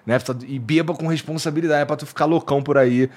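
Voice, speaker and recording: A man's voice: fairly high pitch, fairly even intonation, fast talker, darkish tone. A Brazilian man hosting a casual podcast, chatty and upbeat as he reads sponsor plugs. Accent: Brazilian Portuguese. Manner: chatty, upbeat, filler-heavy. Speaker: podcast host.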